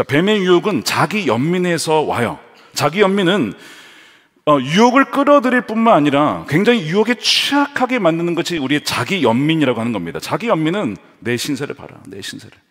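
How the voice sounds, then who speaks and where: Animated Korean pastor preaching in a hall. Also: male voice, a little high, slightly rough. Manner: lively, voices the tempter and quotes in dramatic tones. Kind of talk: sermon. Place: church sanctuary.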